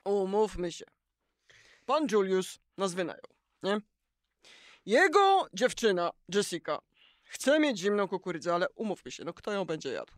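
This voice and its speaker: A high-voiced, glib promoter. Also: male voice, very animated, normal speed, long pauses, dry recording, studio quality. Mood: placating. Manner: hesitant, repetitive, placating. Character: glib, evasive male promotional presenter. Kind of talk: improvised children's radio play.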